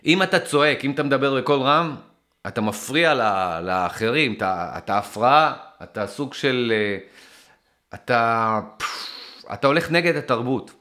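A man from Israel talking to his viewers in a casual, rambling monologue, often stopping and restarting as he thinks aloud, and getting emphatic. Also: mid-range voice. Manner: animated and emphatic.

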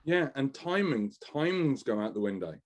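A chatty host talks with a guest over a video call, lively and animated. The voice swings widely in pitch and often acts out little quotes. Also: moderate pace. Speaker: host, performer. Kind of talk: casual chat.

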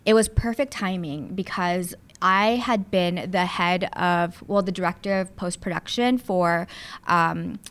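A woman's voice: fairly low pitch, measured pace, a bit bright, clear, resonant tone. A woman in her thirties, a producer and studio owner born in the Philippines and raised in Southern California, chatting casually as an interview guest with plenty of fillers and asides.

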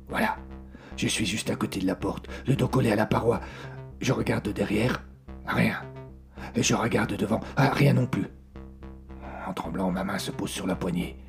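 A man narrating a story in a hushed, suspenseful way. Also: fairly low pitch, vocal fry.

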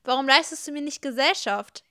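A woman's voice: high voice, brisk, sharp tone. A woman reading out the lines of a carefree, inviting young woman in a story game.

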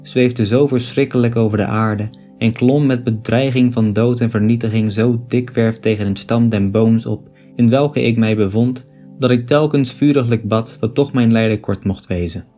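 Male narrator with a dark, warm voice for a measured reading of an old text, soft music underneath. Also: mid-range voice. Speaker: reader of an old book. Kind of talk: scripted narration of an 18th-century text.

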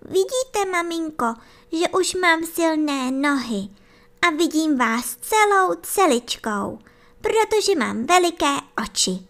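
A woman voicing a timid little male bunny who begs his mother in a high, pleading voice. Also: lively intonation, fairly bright tone, exaggerated voice. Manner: high crying calls, eager pleading.

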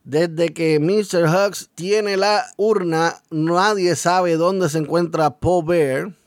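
A man's voice: fairly high pitch, fairly even intonation, slow pace, no room sound, studio quality. A man working as a wrestling commentator, calling the action move by move in short phrases. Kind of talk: wrestling play-by-play commentary in Spanish.

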